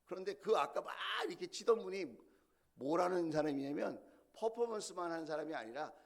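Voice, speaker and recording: A man's voice: fairly high pitch, expressive, a little fast, creaky. A middle-aged male senior pastor delivering a sermon, telling stories with animation and putting questions to the congregation.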